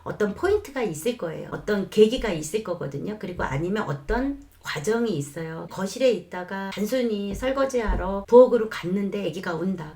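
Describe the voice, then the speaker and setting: A woman who is a child development expert, calmly explaining parenting advice in a lesson and sometimes acting out what a mother might say. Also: medium pitch. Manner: calm, reassuring explanation with acted quotes of mothers.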